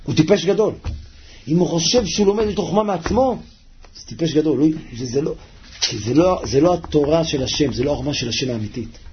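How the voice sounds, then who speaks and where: A man giving a Hasidic sermon to a class, moving between soft pleading and loud urging. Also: fairly high pitch, a little hiss or hum. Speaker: rabbi giving a Torah class. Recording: slightly muffled lo-fi recording.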